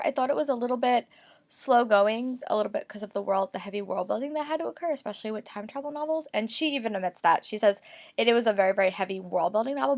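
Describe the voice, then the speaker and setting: A woman's voice: a little high, vocal fry. A young woman with a slight cold and a stuffy voice, chatting casually and upbeat about her reading plans, with lots of fillers. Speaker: book vlogger. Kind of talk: casual chat to camera.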